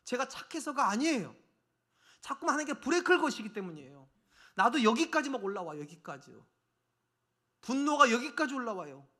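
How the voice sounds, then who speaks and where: A middle-aged pastor preaching from the pulpit, his voice pitched high and sharp. He swings from pressing, raised appeals down to quiet, low asides aimed straight at the pews. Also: very animated, a little fast, long pauses. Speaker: senior pastor. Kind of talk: sermon. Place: church sanctuary.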